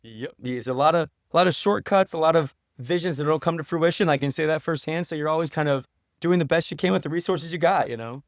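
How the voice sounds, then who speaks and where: Male podcast guest, slightly higher-pitched, dry close sound, informal and sincere, conversational answers full of "you know". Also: fast, no echo. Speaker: podcast guest, professor and documentary maker. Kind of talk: casual conversational interview answers.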